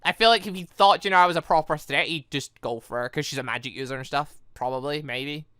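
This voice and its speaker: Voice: mid-range voice, fast, fairly bright tone, clear, resonant tone, no echo, clean studio sound. A gaming YouTuber doing rambling, thinking-aloud playthrough commentary on a visual novel, reading its dialogue out. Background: game music.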